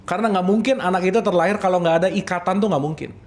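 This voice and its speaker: A man's voice: high voice, rapid-fire. A man, giving a casual religious study talk, playful and often asking his audience questions. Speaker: religious teacher.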